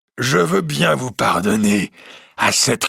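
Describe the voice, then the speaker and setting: A man puts on a raspy character voice, delivering it at a very slow pace. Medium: read story. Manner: stern, commanding.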